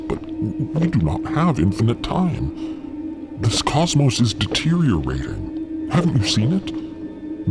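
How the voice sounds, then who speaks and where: A man's voice: fairly low pitch, exaggerated voice. A man playing a courteous, cautious alien in an audio drama, with formal wording and hesitant stammers. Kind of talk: scripted audio drama acting. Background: music.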